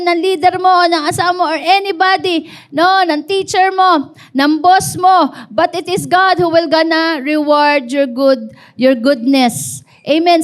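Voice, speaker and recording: A woman pastor with a Filipino accent delivers a sermon, shifting between Tagalog and English. Her voice sits very high, and she tells stories with lively call-and-response to the congregation. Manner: animated storytelling with call-and-response.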